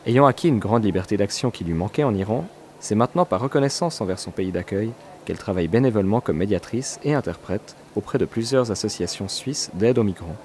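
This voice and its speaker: A man giving calm, scripted documentary narration as a reporter. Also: fairly low pitch, fairly quick, a little hiss or hum. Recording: voice-over with music behind.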